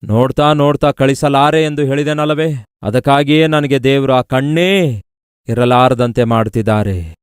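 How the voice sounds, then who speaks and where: A man's voice: mid-range voice, moderate pace, clean tone, dry recording, studio quality, lightly acted. A male preacher voicing a heartbroken father who confesses his sorrow to a friend. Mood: sorrowful. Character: grieving father, middle-aged man, heartbroken.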